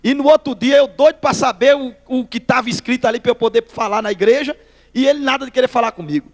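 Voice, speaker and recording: A man's voice: very high-pitched, fast. A male pastor with a Northeastern Brazilian accent, telling his testimony in a folksy preaching style and calling the listeners brother. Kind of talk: testimony sermon. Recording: long hall reverb.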